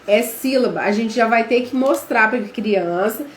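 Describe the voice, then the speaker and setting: Unhurried and on the high side, a Brazilian woman runs a live online class in her Brazilian Portuguese accent. She's chatty, quizzes her viewers, and calls them "gente." Faint background noise and echo fill the room.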